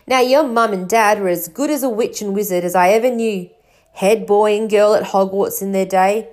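A woman voicing a big, gruff, kind-hearted man with fiery feeling and folksy, rambling, colloquial speech in a storybook reading. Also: medium pitch, darkish tone, lightly acted.

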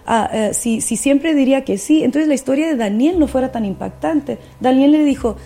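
A woman's voice: sits high, normal speed, dark tone. A woman, a singer-songwriter and speaker, sharing her faith testimony as a podcast guest in a fervent, preacher-like way with frequent fillers.

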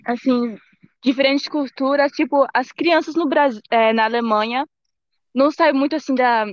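High-voiced teenage girl with Bahian accent. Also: moderate pace, no echo, dull audio. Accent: Bahian Brazilian Portuguese. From Brazil and Germany. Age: young teenager, fourteen. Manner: hesitant, searching for words. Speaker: interview guest. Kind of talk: casual interview chat.

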